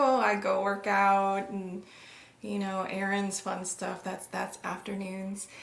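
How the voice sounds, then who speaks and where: A woman's medium-pitched voice with an American accent, with audible room echo. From Wisconsin, US. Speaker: wedding photographer. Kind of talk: interview. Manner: casual, many filler words.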